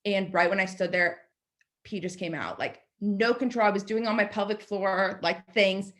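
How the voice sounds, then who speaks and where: A woman in her late twenties, a podcast guest, telling a story in a chatty, animated way and filling her speech with "like.". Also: mid-range voice, normal speed. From United States. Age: 20s. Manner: chatty, animated, lots of "like" fillers. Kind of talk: casual storytelling.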